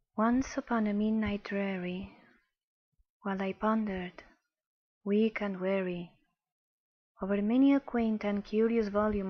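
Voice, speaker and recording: A woman with a non-native accent talks at a medium pitch and a fairly slow pace. Her intonation is monotone and flat. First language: non-native English speaker. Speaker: amateur reader. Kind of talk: poetry reading.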